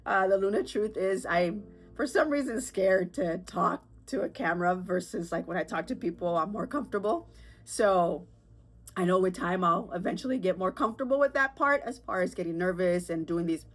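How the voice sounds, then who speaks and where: Faint music plays behind a woman hosting her solo podcast while sick and stuffed up with a sore throat. Her voice is on the low side and moderately paced, and she chats candidly, rambling with fillers and nervous little laughs.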